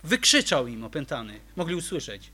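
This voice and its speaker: A man's voice: fairly high pitch, big pitch swings, a little fast, sharp tone, breathy edge. A man preaching a sermon, emphatic and full of rhetorical questions to the congregation.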